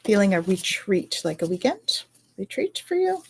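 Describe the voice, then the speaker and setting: A woman's voice: medium pitch, big pitch swings, normal speed, creaky, a little hiss or hum. A woman, a spiritual medium reading cards, talks in a casual podcast chat, reassuring and checking in with "okay?". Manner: chatty, reassuring, lots of "okay?". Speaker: spiritual medium and card reader.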